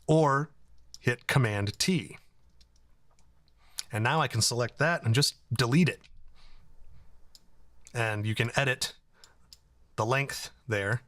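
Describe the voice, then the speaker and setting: A man in his thirties hosting a casual software tutorial, explaining things in a conversational way. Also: mid-range voice, dry recording. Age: 30s. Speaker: tutorial host.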